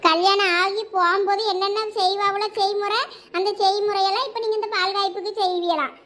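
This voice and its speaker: Cartoon sister-in-law played by a woman: short-tempered complainer, extremely high voice, rapid Thoothukudi Tamil delivery. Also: steady tone, sharp tone. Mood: indignant. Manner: scolding, complaining. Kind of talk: dialect cartoon family comedy dialogue.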